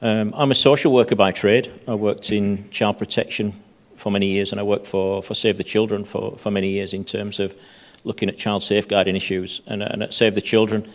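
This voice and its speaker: A man speaking on a conference panel as a head of safety, halting and often repeating words. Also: on the low side, flat delivery. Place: conference stage.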